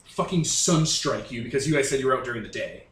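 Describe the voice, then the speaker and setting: A man's voice: medium pitch, animated, fast, fairly bright tone. A man narrating as game master of a tabletop role-playing game in a casual, profane way. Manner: profane, informal. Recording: echoey room, faint background noise.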